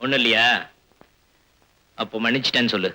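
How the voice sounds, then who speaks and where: A man's voice: medium pitch, steady tone, a little fast, sharp tone, low-quality recording. An actor playing a blunt village strongman in an old film, commanding but kind at heart.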